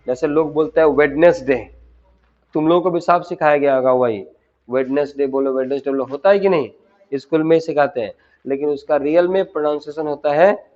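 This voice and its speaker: A man with a fairly high voice and a teaches spoken to a class. He drills words slowly and repeats them for practice. The recording sounds dull and lo-fi. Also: darkish tone. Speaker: English teacher. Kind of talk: spoken English lesson in Hindi.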